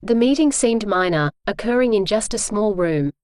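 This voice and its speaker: A woman's voice: mid-range voice, lively intonation, moderate pace, a little mellow, clean tone, no echo, studio quality. A woman reading scripted practice sentences aloud for an English exam lesson.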